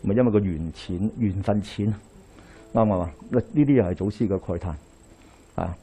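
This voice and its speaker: A man's voice: lowish voice, moderate pace, breathy edge. Cantonese man telling stories at a lecture. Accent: Hong Kong Cantonese. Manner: animated storytelling with rhetorical questions, pacing while gesturing. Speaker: Daoist priest lecturer. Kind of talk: lecture to a live audience. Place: small lecture hall indoors, in front of a screen.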